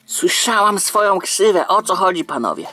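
A man's voice: high-pitched, lively intonation, moderate pace, bright, forceful tone, faint music behind, exaggerated voice. A man voicing a brash, cocky female secret agent in a comic toy-brick animation. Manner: brash and casual.

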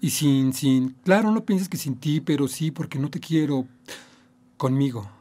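A man's voice: fairly high pitch, unhurried, warm tone. A man voicing an anxious, uptight father clownfish in a classroom cartoon dub, speaking in a hesitant, stammering, fretful way. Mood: awkward. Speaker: dubbing student. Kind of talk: classroom dubbing of an animated film.

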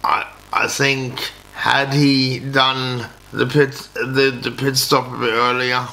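A man in his thirties giving a casual race review from a home office. His voice is bright and forceful, with a fairly even melody and a slow, halting delivery that often restarts words. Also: medium pitch, creaky. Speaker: motorsport vlogger. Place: small home office, indoors.

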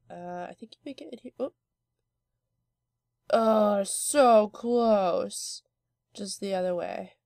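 A young woman with a stuffy head cold talks through her building game in a slow, unhurried way, rambling with plenty of fillers. Her voice is dark and gravelly with fry, close and dry, with no room sound. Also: medium pitch, dry recording. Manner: chatty, rambling, lots of fillers and "like". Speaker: let's play host. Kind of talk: casual gameplay commentary.

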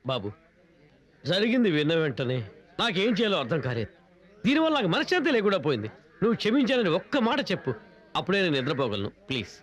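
A man's voice: high-pitched, huge pitch swings, fast talker, exaggerated voice. An actor playing a middle-aged comic father who scolds his stubborn daughter and begs forgiveness in a theatrical, exasperated way. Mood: pleading apology. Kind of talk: Telugu film comedy acting.

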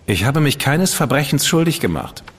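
A man's voice: medium pitch, big pitch swings, normal speed, natural voice. An actor playing a refined dandy writer in a radio play, haughty and indignant toward his captors. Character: indignant refined male dandy writer, proud and sharp-tongued.

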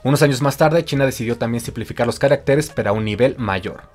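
Man explaining a language in a scripted voice-over, mid pitch, faint music behind. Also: fast talker. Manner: clear explanatory, listing examples. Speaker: language teacher. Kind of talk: scripted narration.

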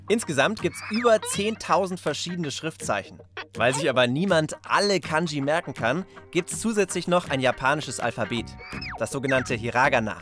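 A young man presenting a children's reportage, explaining things simply in short, casual sentences. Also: on the high side. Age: young adult. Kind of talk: lively explanatory narration and casual chat for children.

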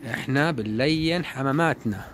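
A man, giving a casual, animated running commentary while flying his pigeons outdoors. He repeats words and calls out to the birds. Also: mid-range voice, fairly quick, background noise. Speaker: pigeon keeper vlogger.

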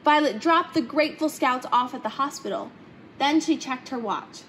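Young woman, high voice, children's story read-aloud, clear background noise in the room. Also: expressive, moderate pace, a bit bright. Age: young adult. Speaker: storybook reader. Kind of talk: reading a children's picture book aloud. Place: indoor hangar-like museum room, seated in open cockpit.

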